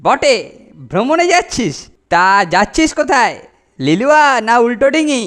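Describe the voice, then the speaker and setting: A man's voice: extremely high pitch, big pitch swings, moderate pace, fairly bright tone, exaggerated voice. A man voicing a scheming, mocking older boy bully in a children's cartoon.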